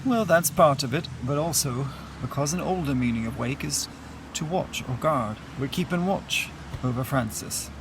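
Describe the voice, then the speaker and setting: A man acting in an audio drama as a devout, reassuring Irish Catholic mourner, explaining things gently in a conversational way. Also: mid-range voice, moderate pace, noisy background, close to an everyday voice. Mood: earnest, explaining.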